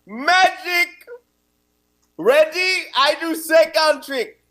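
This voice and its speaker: A man's voice: very high-pitched, drawn-out words, pushed and bright, full character voice. A man playing a grandiose male stage magician who speaks broken English, in an improv comedy show over a video call. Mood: boastful.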